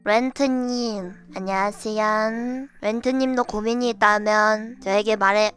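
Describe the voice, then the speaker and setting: A woman's voice: medium pitch, fairly even intonation, measured pace, a bit bright, soft background music. A woman hosting a playful livestream chat, bubbly and teasing, giving mock advice. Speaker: streamer host. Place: virtual world livestream.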